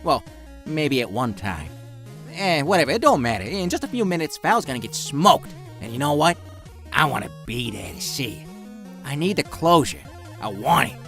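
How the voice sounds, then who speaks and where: A man playing a brash cartoon demon with a slightly high voice that swings widely in pitch. He is restless, slangy and vengeful, over faint music. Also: sing-song, normal speed, a bit bright. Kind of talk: comic dub voice acting.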